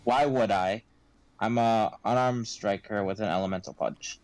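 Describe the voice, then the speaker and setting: A man's voice: fairly low pitch, moderate pace, darkish tone, no echo. A man playing a tabletop game, speaking in character in an easygoing, offhand way. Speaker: player. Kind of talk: casual chat in character.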